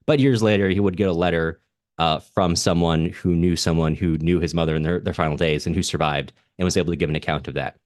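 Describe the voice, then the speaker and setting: A man's voice: low voice, steady tone, fast talker, no room sound, clean studio sound. A man hosting a podcast, explaining background to literature in an unscripted, self-correcting way. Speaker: podcast host.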